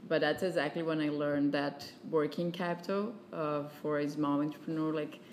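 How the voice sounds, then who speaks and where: A woman's voice: low-pitched, steady tone, normal speed, a little mellow, a little hiss or hum. A woman in her thirties from southern Brazil with a Brazilian Portuguese accent, a guest talking casually with lots of fillers and laughs. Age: 30s. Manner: chatty, many fillers, laughs often. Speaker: guest, venture capitalist. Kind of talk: casual interview chat.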